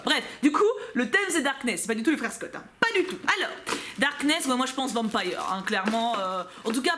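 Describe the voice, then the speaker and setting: A young woman with a French accent, chatting casually to her viewers as she unboxes a subscription box, giggling and breaking into quick asides. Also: fairly high pitch, sharp tone, slight background noise.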